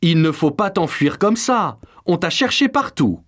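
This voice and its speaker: A man's voice: sits high, big pitch swings, measured pace, full character voice. An actor voicing a kind, cheerful cartoon father who speaks patiently and playfully.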